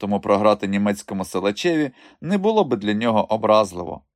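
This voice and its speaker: A man narrating an audiobook in an expressive storytelling manner. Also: on the low side, fast, no room sound, studio quality. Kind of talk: scripted narration.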